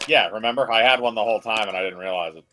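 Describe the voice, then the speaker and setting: A man's voice: lowish voice, very fast, sharp tone, faint music behind. A man giving casual, dry, sardonic banter as a gameplay co-commentator.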